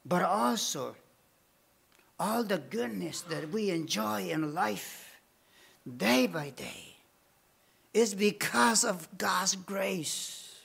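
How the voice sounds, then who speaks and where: Slow, high-voiced preacher. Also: male voice, lively intonation, vocal fry, fairly bright tone, breathy edge. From Bolivia. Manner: slow, emphatic preaching with repeated phrases. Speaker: missionary preacher. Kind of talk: sermon.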